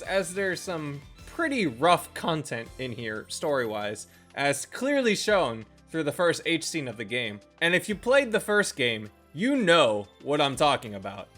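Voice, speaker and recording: A game reviewer narrating a scripted video in an expressive, tongue-in-cheek way. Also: medium pitch. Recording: voice-over with faint music underneath. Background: faint background music.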